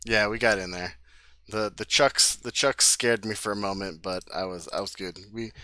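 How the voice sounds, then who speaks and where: A tired man streaming a game, talking casually to his chat with a slight lisp, excitable and swearing freely. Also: fairly low pitch, moderate pace, dry recording. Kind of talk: casual gameplay commentary.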